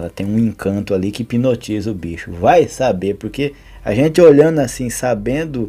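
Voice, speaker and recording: A man talks at medium pitch in a dark, mellow tone. His pitch variation is ordinary. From rural Brazil. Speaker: rural content creator. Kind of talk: casual commentary on a video. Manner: casual, conversational.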